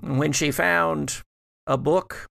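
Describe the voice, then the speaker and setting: Man playing slow, gravel-creaked dead gothic ancestor. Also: on the high side, steady tone, fairly bright tone, no room sound, studio quality, heavily acted. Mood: halting, grave. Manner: hesitant, drawn-out, broken phrasing. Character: halting, regretful dead ancestor of a gothic manor.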